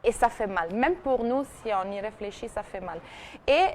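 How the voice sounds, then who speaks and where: A woman's voice: mid-range voice, animated, moderate pace. Woman on a tv talk show telling a story, lots of euhs and restarts, faint background noise. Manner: hesitant, many fillers and restarts. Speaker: TV segment presenter. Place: TV studio. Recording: TV studio broadcast with faint noise.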